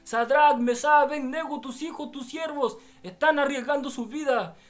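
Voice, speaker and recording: A male preacher voicing the archangel Gabriel, pleading with God in high, loud cries. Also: normal speed, soft background music. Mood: urgent pleading. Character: archangel Gabriel, mighty sword-bearing male angel, urgent.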